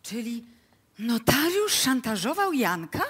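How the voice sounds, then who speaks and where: An actress playing a mayor's bewildered widow in a radio play, expressive and incredulous. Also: female voice, fairly high pitch, slow, slightly rough, full character voice. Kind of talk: live radio play acting.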